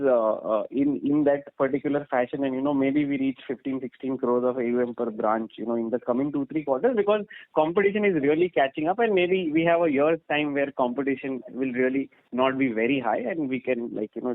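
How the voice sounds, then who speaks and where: A man's voice: mid-range voice, no echo. A man with an Indian accent asks an analyst's questions on an earnings call, conversational and rambling, padded with "you know" and "like". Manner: rambling, filler-heavy, frequent "you know" and "like". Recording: dry, tinny narrow-band phone line.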